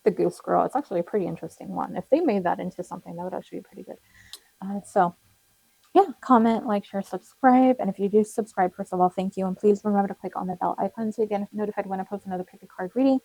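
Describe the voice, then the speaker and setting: Chatty woman with a mellow, cracking voice. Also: medium pitch, quick pace, gravelly, breathy edge, dry recording, poor audio. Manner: chatty, rambling, with frequent fillers and little laughs. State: losing her voice, slightly cracking. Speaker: tarot card reader. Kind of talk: casual tarot reading to viewers.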